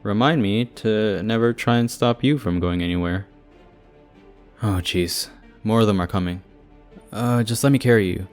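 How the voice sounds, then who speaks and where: A man's voice: fairly low pitch, normal speed, long pauses, a little mellow, soft background music, natural voice. A young man playing a devoted, panicky boyfriend with casual, sarcastic asides in an audio roleplay. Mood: urgent, flustered. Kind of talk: ASMR audio roleplay acting.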